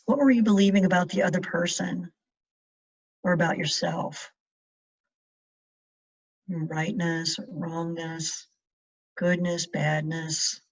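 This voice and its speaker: Slow, low-pitched woman guiding meditation. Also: fairly even intonation. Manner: slow, measured, with long pauses. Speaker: meditation guide. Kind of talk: guided meditation. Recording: distant mic, dull muffled sound.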